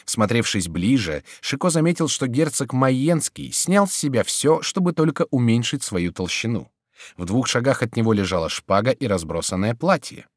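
A male audiobook narrator with a mid-pitched voice and lively intonation. He tells the story expressively. The studio recording is dry. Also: moderate pace, dry recording. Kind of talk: scripted narration.

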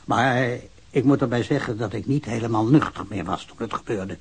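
A man's voice: mid-range voice, brisk, vocal fry, breathy edge. Male, radio drama: wry, chatty drinker giving testimony, sardonic and slightly tipsy. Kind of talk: naturalistic radio drama acting.

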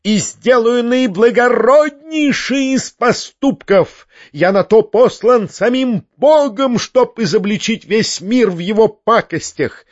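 A man's voice: high voice, dry recording, dull audio, voice pushed up, full character voice. A man voicing a pompous, sanctimonious older male tyrant who preaches and shrieks. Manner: preachy, shrieking when enraged.

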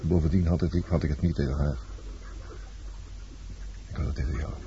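Low-pitched weary lover, terse, brooding, radio play, dull recording with hiss. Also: male voice, fairly even intonation, fairly quick, mellow. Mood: brooding, curt. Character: world-weary blunt male lover, a sailor. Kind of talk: Dutch radio play acting. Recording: dull, noisy old radio drama recording.

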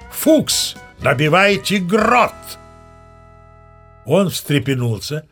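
An actor playing an old sea captain spinning tall tales in an audio play, with a gravelly, husky voice and a folksy, self-assured way of talking. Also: male voice, medium pitch. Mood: barking, exasperated. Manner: folksy, conversational, addressing listeners. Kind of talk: dramatised storytelling in an audio play.

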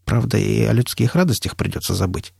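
A man voicing a worried field medic who speaks in a measured, careful way in an audiobook. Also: fairly low pitch, creaky, darkish tone, husky, no echo, studio quality, heavily acted. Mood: calm, worried. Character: worried male field medic, calm-spoken.

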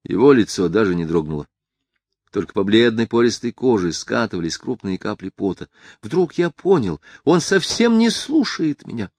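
Low male narrator reading a novel aloud, grave and measured, close dry sound. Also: very animated, a little mellow, no room sound. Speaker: audiobook narrator. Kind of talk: first-person literary audiobook reading.

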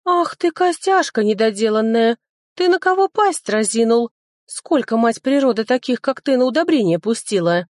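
A woman voicing a tiny, hot-tempered female fairy who squeals and shouts in a storybook reading. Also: medium pitch, very animated, normal speed, no room sound, clean studio sound, pitched above the performer's own voice. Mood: scolding.

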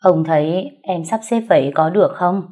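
A woman reader voicing a brisk, practical middle-aged woman arranging family matters. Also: on the low side, warm tone, slightly rough. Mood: businesslike.

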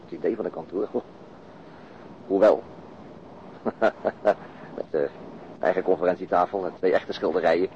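An actor playing a pensive, plain-spoken police detective in a radio drama, understated and conversational. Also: male voice, sits low, fairly even intonation, normal speed, long pauses, close to an everyday voice. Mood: musing. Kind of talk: naturalistic radio drama dialogue. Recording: muffled radio drama recording, clear background noise.

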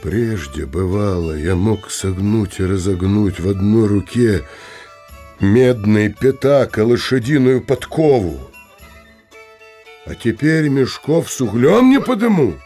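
An actor playing a lovesick, impulsive young village blacksmith in a theatrical audio drama, musing dramatically aloud to himself. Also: male voice, on the low side, expressive, slow, warm tone, faint music behind. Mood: brooding, self-mocking.

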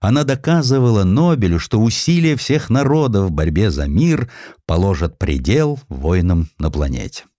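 Deep-voiced, expressive male storyteller. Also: normal speed, no echo, clean studio sound. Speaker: audiobook narrator. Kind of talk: dramatic scripted narration of a historical sketch.

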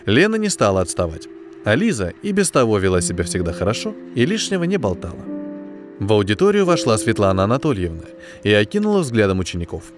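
Expressive male audiobook narrator. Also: fairly low pitch, fast. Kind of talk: scripted story narration. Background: background music.

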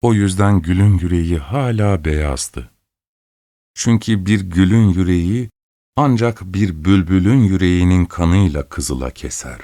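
A man reads a fairy tale aloud in a measured, expressive way. His voice sits very low, and the recording is dry and close, with no room sound. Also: no room sound. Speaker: storyteller. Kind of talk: storybook narration.

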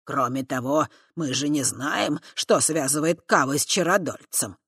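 A reader voicing an old horned male forest creature, a shrewd grandfather who speaks slowly and weightily. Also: on the high side, lively intonation, pushed and bright, breathy edge, no room sound, studio quality, heavily acted. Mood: firm. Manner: slow, weighty, calculating.

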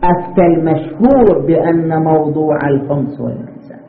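A high-voiced man teaches jurisprudence, working through each point and asking himself rhetorical questions. The sound is thin and phone-like, with echo and a faint hiss behind it. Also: fairly quick. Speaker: religious scholar teaching jurisprudence. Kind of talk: seminary lecture. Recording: tinny, echoey lecture recording with faint noise.

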